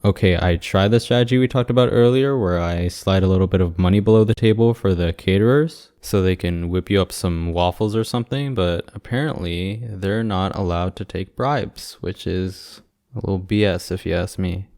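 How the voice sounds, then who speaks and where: A man's voice: deep voice, normal speed, no room sound, studio quality. A man playing an affectionate, playful boyfriend in an ASMR audio roleplay, teasing and sweet in manner. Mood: joking, teasing. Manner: teasing, sweet, gently joking. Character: affectionate, playful young boyfriend visiting hospitalised partner.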